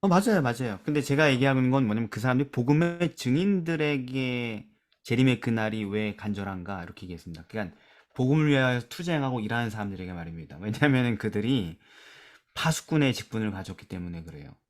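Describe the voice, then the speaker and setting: A man's voice: expressive, fast. Man leading a scripture discussion. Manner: asks questions and drops to a soft low voice at phrase ends; reads scripture aloud with emphasis. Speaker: Bible study discussion leader. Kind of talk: church lesson discussion.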